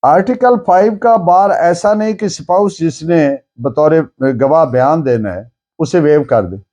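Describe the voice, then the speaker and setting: A man's voice: a little high, measured pace, warm tone. A man with a Pakistani accent lecturing on law, didactic and emphatic, repeating key phrases and mixing in English legal terms. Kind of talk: lecture, explaining and dictating case citations.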